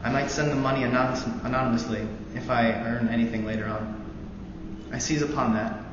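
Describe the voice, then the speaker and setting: A young American man, a student veteran, reading a novel passage aloud in earnest, after a halting introduction. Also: medium pitch. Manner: halting intro with many fillers, then steady earnest reading. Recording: roomy echoey hall, dull lo-fi sound, noisy.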